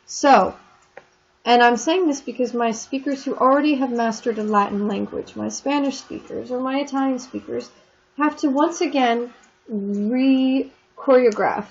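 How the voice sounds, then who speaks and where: A woman's voice: high voice, measured pace, breathy edge, muffled recording. A woman teaching an online French lesson, patiently explaining textbook exercises and repeating examples. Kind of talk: recorded lecture walking through textbook exercises.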